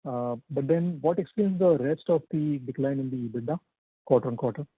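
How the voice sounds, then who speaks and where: Man, Indian accent, raspy, polite analyst questions, hesitant, dry narrow phone line. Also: medium pitch, fairly quick, dry recording. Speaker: financial analyst asking questions. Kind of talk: unscripted questions on an earnings call.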